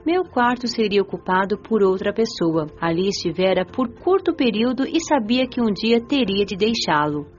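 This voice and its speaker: A woman with a Brazilian accent playing a gentle, eager young spirit who narrates her story in an audio drama. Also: mid-range voice, expressive, moderate pace, hardly any pauses, lo-fi sound, faint music behind, lightly acted. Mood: tender, reflective.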